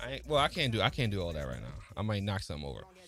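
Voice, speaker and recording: A man speaks in a New York accent. Music plays in the background. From New York City, Harlem. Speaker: livestreamer. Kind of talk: casual livestream chat. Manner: animated.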